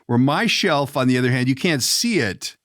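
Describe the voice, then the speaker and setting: Man, middle-aged, podcast host, lively intonation, joking and conversational, dry close recording. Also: medium pitch, normal speed, no echo. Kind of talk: casual comedic interview.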